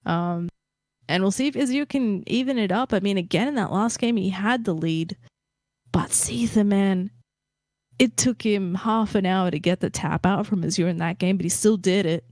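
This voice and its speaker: A woman casting a live esports match, giving steady, analytical commentary on the play. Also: mid-range voice, normal speed, no echo. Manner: steady, analytical, with light laughs. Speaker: esports caster.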